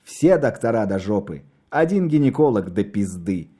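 A man's voice: lowish voice, very animated, moderate pace, mellow, husky. A man reading a sheepish police lieutenant. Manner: plain, sheepish.

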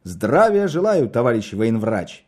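A man voicing a deranged, aggressive and crude man with a slow, drawling delivery. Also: mid-range voice, sing-song, a little mellow.

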